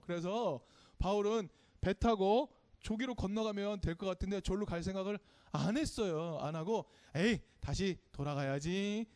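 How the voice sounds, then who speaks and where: A man with a high voice tells a children's sermon in church. His storytelling is plain and friendly, and he keeps turning to the congregation with questions. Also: darkish tone. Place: church service.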